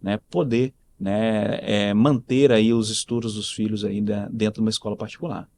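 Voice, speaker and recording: A man's voice: fairly low pitch, steady tone, normal speed, creaky, a little mellow. A man from southern Brazil with a faint mixed Brazilian accent, explaining conversationally as an interview guest and often adding short tags to seek agreement. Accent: Brazilian, faint mixed regional. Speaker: school director, interview guest.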